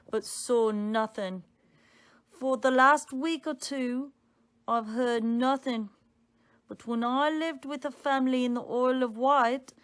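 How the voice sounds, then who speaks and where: A woman playing a frightened elderly cook in a dramatic reading, giving halting, anxious testimony. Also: fairly high pitch. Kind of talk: dramatic reading of a witness account. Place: home room, indoors.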